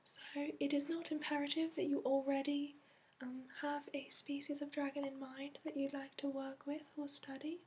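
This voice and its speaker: A woman with a put-on accent speaking softly and breathily in an ASMR roleplay, explaining gently and haltingly like a guide, with many pauses. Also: sits high, level tone. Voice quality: soft, breathy, often whispery. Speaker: ASMR roleplay host playing a dragon expert.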